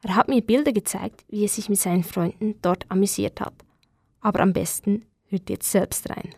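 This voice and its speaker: Gravelly-voiced woman presenting radio. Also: medium pitch, normal speed, a little mellow, dry recording, clean studio sound. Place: radio studio.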